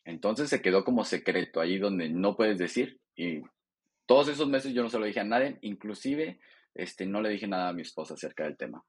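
A man in his thirties from Mexico, speaking as a veterinarian guest and filling pauses with "este". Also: lowish voice, animated, slightly rough. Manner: conversational, fills pauses with "este". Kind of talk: interview testimony.

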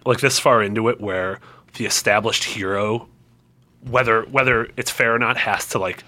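A man's voice: fairly low pitch, fairly even intonation, moderate pace, pushed and bright. A man on a podcast panel, chatting casually and steering the talk thoughtfully. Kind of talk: casual chat.

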